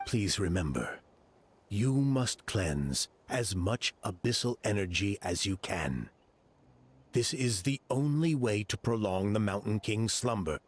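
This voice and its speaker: Slow, solemn, low-voiced tribal elder. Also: male voice, animated, breathy edge, full character voice. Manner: grave, measured. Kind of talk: game character dialogue.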